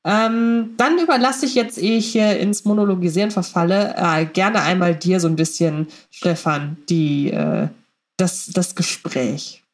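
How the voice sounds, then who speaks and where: A woman's voice: fairly low pitch, a little slow. A woman hosting a podcast, moderating a casual group conversation in a chatty, wordy way. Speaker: podcast host.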